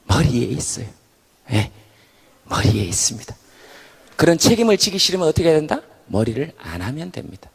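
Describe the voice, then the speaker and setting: A man giving a comedic stage talk to a live audience, an animated storyteller who acts out the voices he quotes. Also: mid-range voice, fairly quick, gravelly, pauses often, breathy edge. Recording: long hall reverb.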